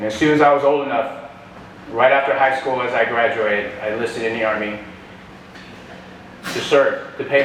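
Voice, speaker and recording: In a room with audible echo and noticeable background noise, a man speaks fairly quickly at a medium pitch with fairly even intonation. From Vietnam, raised in US South (Houston, Texas). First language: Vietnamese. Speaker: military veteran. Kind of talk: public speech. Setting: museum event with audience.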